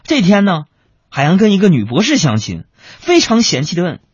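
A man's voice: sits high, huge pitch swings, brisk, slightly rough, dry recording, muffled recording. A male radio comedy host, chatting and reading out listener messages, laughing at his own jokes and acting out the voices.

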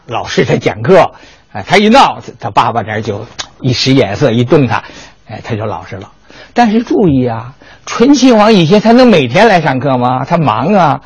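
A man telling history in a lively, colloquial lecture with dramatic asides. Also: medium pitch, slightly rough, dry recording. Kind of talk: storytelling lecture.

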